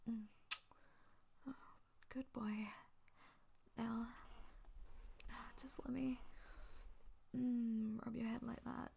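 A woman playing a doting older sister in an intimate audio roleplay, speaking softly and often in a whisper, hesitant and reassuring. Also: a little high, gravelly, slight background noise.

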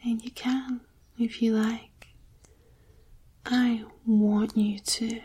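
A woman giving an intimate erotic ASMR monologue in a breathy whisper, with slow, sultry, pausing delivery. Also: a little high, level tone, mellow. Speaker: erotic audio performer.

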